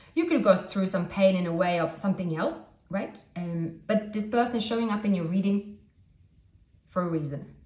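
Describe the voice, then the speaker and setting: Room echo is audible as a woman talks at a moderate pace. Her pitch is medium, with ordinary pitch variation. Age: 40s. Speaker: tarot reader. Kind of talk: tarot reading monologue. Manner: halting, many fillers and repetitions. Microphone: phone near.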